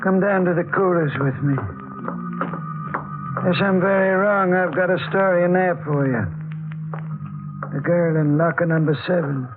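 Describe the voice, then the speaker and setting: An actor playing an older, folksy morgue attendant with a knowing, chummy manner, in 1940s radio style. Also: male voice, high-pitched, moderate pace, pauses often, natural voice. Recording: muffled vintage radio, faint music.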